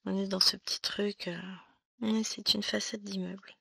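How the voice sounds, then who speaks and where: A woman's voice: medium pitch, level tone, normal speed, gravelly, pushed and bright, breathy edge, no room sound, clean studio sound. A woman hosting a cross-stitch vlog, chatting casually and rambling with lots of fillers while she stitches. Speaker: cross-stitch channel host.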